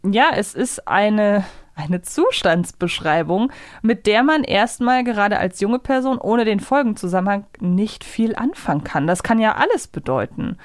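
A woman's voice: medium pitch, lively intonation, unhurried, dry recording, studio quality. A woman in her thirties hosting a podcast in a casual, chatty style. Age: 30s. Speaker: podcast host. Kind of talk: casual chat.

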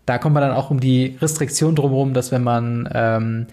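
A man's voice: medium pitch, fairly even intonation, normal speed, warm tone. A man co-hosting a casual podcast, talking hesitantly with many fillers and often agreeing. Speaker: podcast co-host. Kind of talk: casual podcast chat about card games.

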